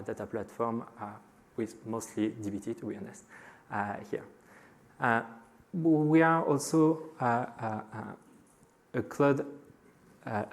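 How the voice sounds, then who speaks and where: A middle-aged man with a French accent presents at a conference, speaking to the audience in front of him. He hesitates often and fills pauses with drawn-out "uh" sounds as he gathers his thoughts. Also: medium pitch. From France. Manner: frequent hesitations with many "uh" fillers; addresses a live audience. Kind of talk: conference talk.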